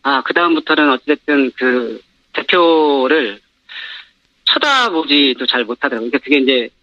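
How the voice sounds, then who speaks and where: A man with his voice disguised by a pitch-shifting modulator, calling in as an anonymous former store owner and talking hesitantly with many fillers. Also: expressive, moderate pace, no echo. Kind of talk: phone-in news interview. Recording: dull phone line.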